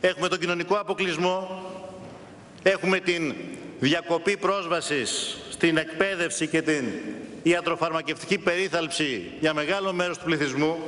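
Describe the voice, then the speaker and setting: Over light background noise, a man with a high pitch speaks at a fairly slow pace, his intonation fairly even and his loudness very even. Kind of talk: parliamentary speech. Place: hall. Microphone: podium.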